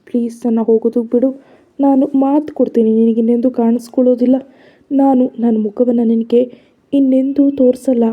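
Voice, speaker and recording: Woman doing a scared tearful young woman, begging, husky voice, even delivery. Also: fairly high pitch, moderate pace, close to an everyday voice. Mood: pleading. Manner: pleading, begging. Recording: slightly dull lo-fi audio.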